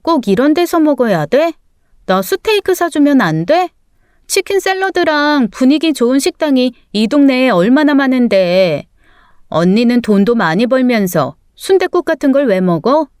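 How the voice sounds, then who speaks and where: A woman's voice: on the high side, lively intonation, a little slow, a little mellow, clear, resonant tone, no echo, studio quality. A woman voicing a spoiled, complaining younger sister in a story reading, sulky and petulant. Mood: whiny.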